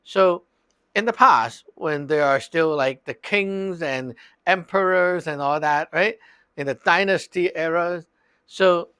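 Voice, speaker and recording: Slow-talking man teaching in a dry room. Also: on the high side, fairly bright tone, no room sound. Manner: loose and chatty, peppered with "like" and "okay?". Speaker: Taoist teacher. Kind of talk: casual spoken lesson.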